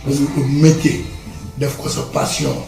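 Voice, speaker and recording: A man's voice: mid-range voice, very animated, unhurried. An older man with a Senegalese accent, a retired colonel giving advice in a conversational interview, emphatic and repeating words for stress. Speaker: retired colonel and wrestling elder. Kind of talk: conversational interview, mixing two languages. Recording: roomy, distant mic with music behind.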